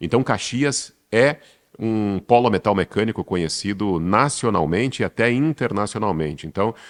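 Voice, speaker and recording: A man with an ordinary speaking voice talks at a moderate pace in a fairly low pitch with lively intonation. The background is quiet. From Brazil, interior of Rio Grande do Sul. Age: 40s. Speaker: video production business owner. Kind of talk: casual talk to camera.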